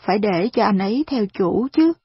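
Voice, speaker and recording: Woman voicing a gentle wealthy mother. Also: medium pitch, expressive, moderate pace, slightly rough, no room sound, dull audio. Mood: gently persuasive. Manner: soothing, reasoning.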